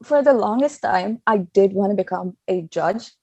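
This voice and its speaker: A woman's voice: medium pitch, lively intonation, moderate pace, mellow, no room sound. A young woman, a law student guest, talking in a blunt, outspoken way and swearing freely in casual podcast chat. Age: young adult.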